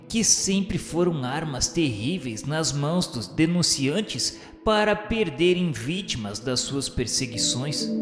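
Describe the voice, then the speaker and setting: A man's voice: mid-range voice, a bit bright. A man playing a tormented, vengeful Jesuit officer of the Inquisition, confessing in solemn, formal, theatrical radio novela narration. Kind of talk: dramatized first-person radio novela narration. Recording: echoey hall reverb, music behind.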